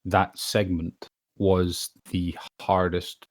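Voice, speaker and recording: A man's voice: sits low, level tone, very slow, no room sound, studio quality. A man chatting casually on a podcast as a voice actor, earnest and emphatic.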